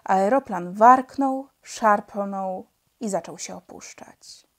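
A woman narrating a children's audiobook, expressive and measured. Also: medium pitch.

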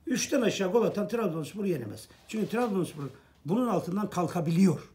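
A man's voice: sits high, lively intonation, a little fast, darkish tone. A middle-aged man gives an earnest, preachy fan monologue to camera, repeating phrases for emphasis. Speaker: football fan vlogger.

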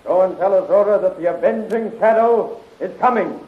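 A man acting an excitable fighter in a 1930s radio serial, urgent and melodramatic. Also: high-pitched, fairly quick, over loud music, lightly acted. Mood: commanding. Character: excitable soldiers and hero in a space serial. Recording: tinny, echoey 1930s radio recording.

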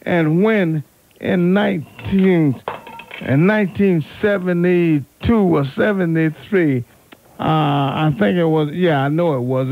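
A man's voice: fairly high pitch, no echo. A man hosting an R&B oldies radio show with unscripted, fumbling chatter, repeating and correcting himself as he goes. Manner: halting, fumbling, self-correcting, repeats words. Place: radio studio. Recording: narrow, phone-like AM radio aircheck.

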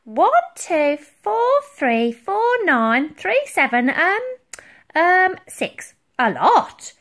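A woman voicing a scatterbrained woman in a children's story, muddled and halting. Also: high-pitched, very animated, fairly bright tone, pitched above the performer's own voice, full character voice. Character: cheerful, scatterbrained woman, Dotty.

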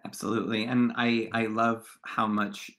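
A man's voice: fairly low pitch, little pitch movement, moderate pace, fairly bright tone. A man moderating a panel conversation on a video call in an affirming, enthusiastic manner. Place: indoor room on a video call.

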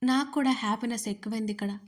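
A woman voicing a young man, a gentle and teasing lover in an audio story, asking soft questions. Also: a little high, fast talker, lightly acted. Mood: tender.

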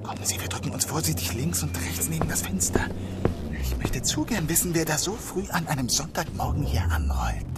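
An actor playing a composed, dryly confident police detective in a German crime audio drama. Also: male voice, on the high side, huge pitch swings, in a whisper, over loud music. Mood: wry, hushed. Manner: measured, dry, commanding.

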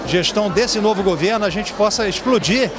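A man's voice: high voice, brisk, background noise. A man in his fifties with a Rio de Janeiro accent, talking up his hotel in an upbeat way at a red-carpet interview, with frequent "né?" tags. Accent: Rio de Janeiro Portuguese. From Brazil. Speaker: hotel general manager. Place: indoor event hall, crowded party. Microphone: handheld mic held by interviewer. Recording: music and crowd behind.

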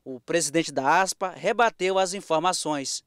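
A male reporter reads a news package in a high, crisp, smooth voice. The sound is dry and close, and his delivery is formal and even. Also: moderate pace, no echo. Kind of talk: scripted news report voice-over.

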